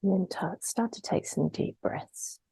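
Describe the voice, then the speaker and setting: A woman leading a guided meditation in a soft, breathy, gentle voice, unhurried and trailing towards a whisper between long pauses. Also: medium pitch, no echo.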